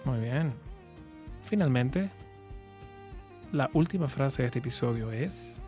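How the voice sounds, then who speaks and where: A man teaching English pronunciation in a patient, clear way, saying model words slowly for learners to repeat. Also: mid-range voice, animated, dark tone, faint music behind. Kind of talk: shadowing lesson, repeat-after-me drills.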